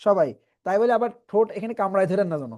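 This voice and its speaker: A man teaching Quran reading in an online class, patiently explaining and slowly repeating letter sounds for his students. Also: high-pitched, darkish tone.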